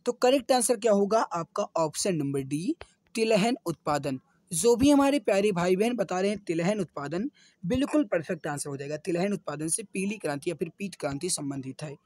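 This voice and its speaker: Slightly hoarse male teacher, dry close sound. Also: sits high, animated, a little fast, darkish tone, no room sound. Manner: repetitive, addresses viewers as dear brothers and friends. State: slightly hoarse, sore throat. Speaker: exam coaching teacher. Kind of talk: online quiz lesson with answers explained.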